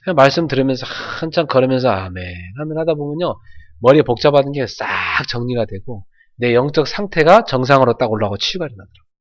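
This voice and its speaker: A man's voice: mid-range voice, muffled recording. A man preaching a sermon as pastor, in an earnest, conversational way with emphatic swells.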